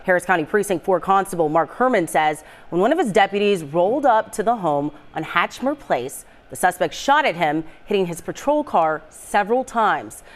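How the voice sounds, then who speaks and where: A woman's voice: on the low side, animated, moderate pace, hardly any pauses. A woman with an American accent reading scripted morning news as a television anchor in a studio.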